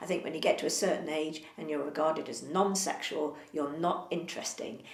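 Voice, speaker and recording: A woman speaks at a very deep, low pitch with ordinary pitch variation. Audible room echo and noticeable background noise fill the recording. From London, Hounslow (Middlesex). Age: 60s. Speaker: actor and theatre director. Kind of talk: interview. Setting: theatre.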